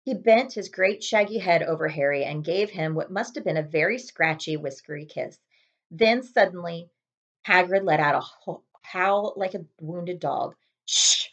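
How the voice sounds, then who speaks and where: A woman's voice: fairly low pitch, moderate pace, dull audio. A woman in her thirties reading a children's chapter book aloud expressively, recorded on a webcam in a room at home. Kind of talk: storybook read-aloud narration. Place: small home room with window blinds.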